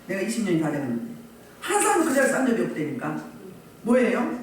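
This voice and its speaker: A woman pastor preaching a sermon, animated and asking the congregation rhetorical questions. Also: mid-range voice, quick pace, a little hiss or hum. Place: church hall. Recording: echoey church hall, voice from a distance.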